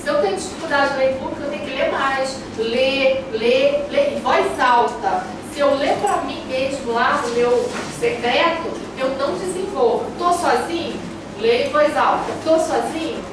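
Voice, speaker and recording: A Brazilian woman lectures a class in a high voice. She is didactic and repeats key phrases to drive them home. The recording is very echoey and noisy, picked up from a distance. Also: moderate pace, few pauses. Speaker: teacher of a preaching class.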